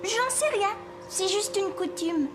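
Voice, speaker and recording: A woman's voice: very high-pitched, animated, slow, music in the background, exaggerated voice. A woman voicing a confident, friendly six-year-old girl who explains things helpfully in a French preschool cartoon. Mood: explaining.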